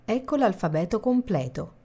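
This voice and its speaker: A woman reading the translation of each line in a recorded language course, calm and measured. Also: mid-range voice, breathy edge. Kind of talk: scripted instructional reading.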